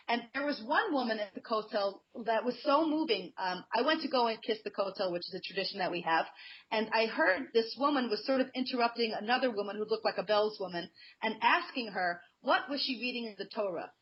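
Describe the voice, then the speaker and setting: A woman's voice: on the high side, breathy edge. A woman guest on a radio talk show, talking earnestly and conversationally and telling personal anecdotes. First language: not Hebrew. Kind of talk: radio interview, personal storytelling. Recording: muffled lo-fi radio sound.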